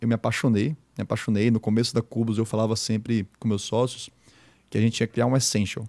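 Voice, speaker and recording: Against a quiet background, a man talks at a fairly quick pace in a dark, mellow tone at medium pitch. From Brazil, Salvador (Bahia). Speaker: tech startup founder; podcast guest. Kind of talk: casual interview chat. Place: studio. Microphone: studio mic.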